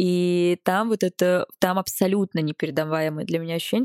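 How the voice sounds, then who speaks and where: Fairly quick delivery with fairly even intonation and a dry, close sound with no echo. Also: woman. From Moscow, Russia. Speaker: fashion magazine editor. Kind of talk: casual chat.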